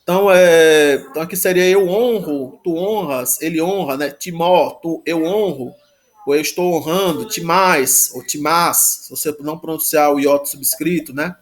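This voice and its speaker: A man teaching a Greek grammar lesson, talking haltingly with many restarts and a constant "né?" after each phrase. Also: a little high. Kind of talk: live online grammar lesson.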